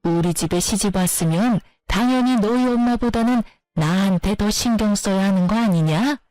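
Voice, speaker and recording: A woman's voice: mid-range voice, normal speed, mellow, no echo, close to an everyday voice, rough recording. A woman voicing a domineering, insulting older mother-in-law who scolds with contempt, in a narrated story. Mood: scornful.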